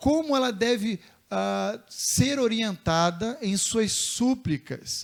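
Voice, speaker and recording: A man with a high pitch talks at a very slow pace, his intonation lively. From Rio de Janeiro, Brazil. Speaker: pastor. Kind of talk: sermon.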